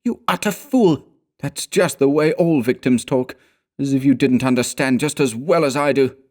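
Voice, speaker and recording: A grave, fearful man from a storybook , acted out by a male reader. His voice is pushed up higher and is full of intense foreboding. He sounds fatalistic, as one who has accepted that danger is coming. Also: animated, normal speed, darkish tone, natural voice. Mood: shocked, scornful. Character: grave, frightened, fatalistic male canoe companion. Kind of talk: storybook character dialogue.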